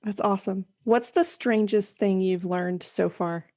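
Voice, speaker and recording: A woman's voice: mid-range voice, unhurried, darkish tone, no room sound, studio quality. A woman hosting a podcast, reading promos and interviewing a guest with an upbeat, enthusiastic delivery. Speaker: podcast host.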